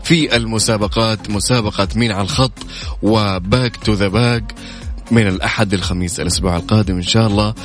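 A man's voice: lowish voice, steady tone, quick pace. Saudi male radio host over prominent music. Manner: chatty, mixes in English phrases. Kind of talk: casual morning radio show presenting. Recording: music behind the voice.

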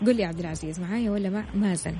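Rapid-fire woman co-host. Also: medium pitch, dark tone, a little hiss or hum. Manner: argumentative, laughing, very fast. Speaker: radio show co-host. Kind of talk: playful radio banter.

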